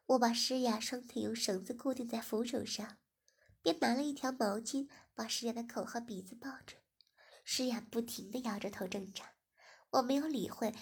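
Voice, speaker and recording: Woman, story narrator, gravelly voice, husky tone, fairly high pitch, even delivery. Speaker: story reader. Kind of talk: first-person erotic story narration.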